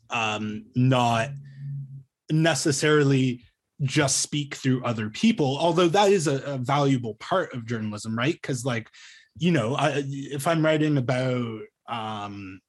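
A man in his thirties from Ontario, a journalist talking about his career in a casual interview over a video call, pausing often with ums and restarts. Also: medium pitch, breathy edge. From Ontario, Canada. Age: 30s. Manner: hesitant, many ums and restarts. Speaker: journalist guest.

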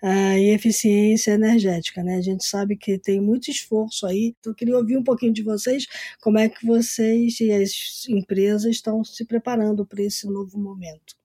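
A woman hosting a podcast, reading a measured scripted intro and then leading the interview. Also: mid-range voice, level tone, warm tone, breathy edge. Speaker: podcast host.

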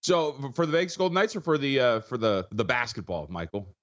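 A tired man with a husky voice, a betting analyst breaking down games quickly, rattling off stats with frequent restarts. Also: mid-range voice, very animated, a bit bright, highs cut off. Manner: fast, stat-heavy, with frequent restarts. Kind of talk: rapid sports betting analysis.

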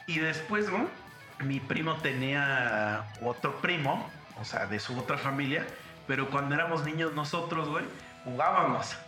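A young Mexican man with a Mexican Spanish accent tells crude, slang-packed stories on a casual podcast. His voice sits a little high and sounds bright and forceful. The room is roomy and echoey, with music under him. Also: lively intonation, normal speed. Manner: crude slangy storytelling, acts out quotes. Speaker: podcast host. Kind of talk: casual chat.

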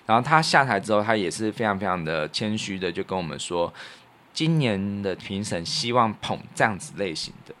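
Casting: male podcast co-host, low voice, Taiwanese Mandarin accent, earnest and reflective casual storyteller. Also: expressive, fairly quick, fairly bright tone. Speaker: podcast co-host and radio professional.

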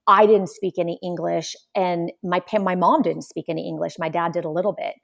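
A Polish-born woman telling stories in a relaxed interview, acting out quoted voices. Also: fairly low pitch, fairly quick, vocal fry. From Poland. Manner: animated storyteller, acts out quotes. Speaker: guest. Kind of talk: casual interview conversation.

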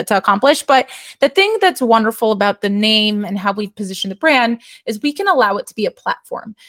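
A woman's voice: medium pitch, vocal fry. A woman guest in an interview, a company co-founder speaking confidently and finishing her partner's sentences. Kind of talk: casual interview answers.

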